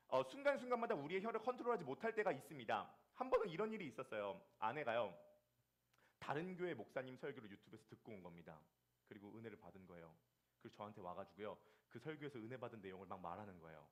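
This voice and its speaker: A man preaching a Sunday sermon as the church's pastor, telling stories with acted asides. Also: medium pitch. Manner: lively storytelling with acted asides.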